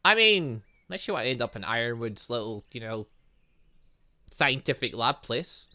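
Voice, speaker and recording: A man's voice: mid-range voice, sing-song, moderate pace, pushed and bright, clean tone, dry recording. A man reading game dialogue aloud in a let's play, adding his own commentary and often stumbling over words and correcting himself. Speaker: gaming YouTuber reading a visual novel aloud.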